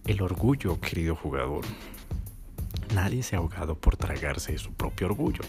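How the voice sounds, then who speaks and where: A man's voice: deep voice, lively intonation, moderate pace, over music. A man hosting a podcast, giving blunt casual advice and swearing freely, often checking if the listener follows. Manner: blunt and swearing, keeps asking "you get me?". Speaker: podcast host.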